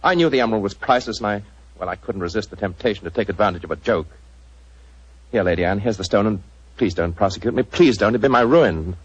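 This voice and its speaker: A stammering, nervous Murphy. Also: male voice, fairly low pitch, quick pace, husky, dry recording. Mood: pleading. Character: Murphy, nervous poor male mathematician. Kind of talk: 1940s radio acting. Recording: muffled dry old radio broadcast.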